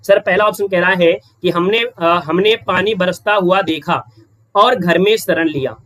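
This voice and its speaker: A man teaching Hindi grammar in a live-streamed quiz class. He is brisk, keeps checking in with "right?" and greets viewers from the chat mid-lesson. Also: sits high, fairly bright tone.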